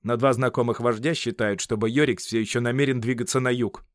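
Brief: eager Roman officer, lively and explanatory, voiced by the audiobook narrator. Dry, close sound. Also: male voice, mid-range voice, brisk, no room sound, lightly acted. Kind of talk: audiobook character reading.

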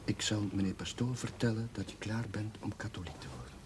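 An actor playing an earnest, easily flustered young Catholic chaplain, soft-spoken, hesitant and proper. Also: male voice, on the low side, fairly quick, background noise, natural voice. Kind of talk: 1970s Dutch television drama acting.

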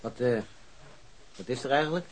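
A man's voice: mid-range voice, normal speed, a little hiss or hum, lightly acted, low-quality recording. An actor playing a dim, cowed patrolman in a radio crime drama, stammering evasively. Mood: nervous, evasive. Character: dim, lazy, cowed patrolman making excuses.

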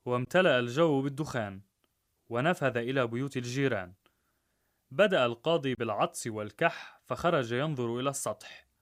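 A man's voice: mid-range voice, a bit bright. Man narrating a rhymed story. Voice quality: measured, rhythmic.

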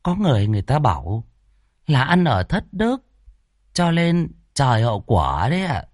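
A man doing a gossipy old village granny, her voice pitched way up and bouncing around as she rattles on, in a storybook reading. the recording is dry and close. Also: normal speed, no room sound, natural voice. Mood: gossiping. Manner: gossipy, lively telling. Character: chatty old village woman.

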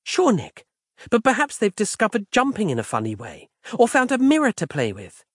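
A man's voice: high voice, wildly swooping pitch, moderate pace, a bit bright, dry recording, clean studio sound, pitched above the performer's own voice, heavily acted. A man putting on a prim, chatty young woman. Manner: overly polite, chatty and pedantic. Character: prim, fussy young woman on a walkie-talkie. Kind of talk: audiobook character voice.

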